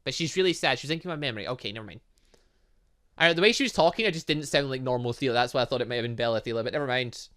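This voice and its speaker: Bright-voiced, animated man commentating a game. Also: medium pitch, racing, clear, resonant tone. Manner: animated, thinking aloud. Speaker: gaming video host. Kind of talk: let's play commentary, reading visual novel dialogue aloud.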